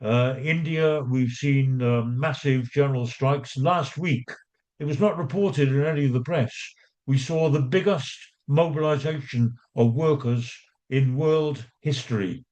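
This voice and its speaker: A man's voice: mid-range voice, a little slow, darkish tone, poor audio. Hesitant man chairing an online meeting. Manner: hesitant, many fillers and restarts. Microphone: video call.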